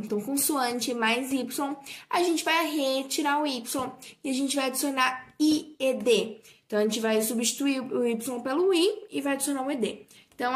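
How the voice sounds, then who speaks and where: A Portuguese-speaking woman teaching English grammar in an online lesson, patient and repetitive, often correcting her own slips. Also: high voice. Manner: patient, repeats points and asks for repetition; frequent slips and self-corrections.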